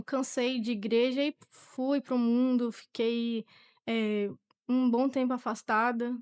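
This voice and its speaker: A seventeen-year-old woman with a Brazilian accent giving a personal testimony in an informal, halting way as an interview guest. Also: fairly high pitch, a little mellow, smooth, no echo, clean studio sound. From Portugal, born to a Brazilian family. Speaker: podcast guest, young church singer.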